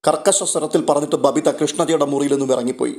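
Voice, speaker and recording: A man narrating a story recap of a TV serial in a steady, dramatic storytelling way. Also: a little high, quick pace.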